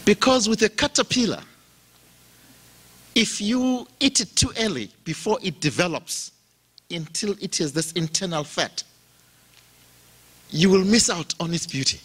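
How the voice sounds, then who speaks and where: A man from Zimbabwe preaching a sermon in a slow, emphatic style, his voice rising and dropping for effect. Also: sits high, expressive, a bit bright, husky.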